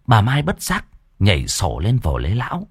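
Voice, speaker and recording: Husky ghost-story narrator. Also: male voice, huge pitch swings, normal speed, dry recording, studio quality. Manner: dramatic, swinging pitch.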